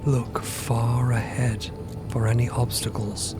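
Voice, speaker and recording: A man's voice: mid-range voice, little pitch movement, slow. A man giving scripted, literary narration for an audio drama. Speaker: narrator and voice actor. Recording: loud music behind.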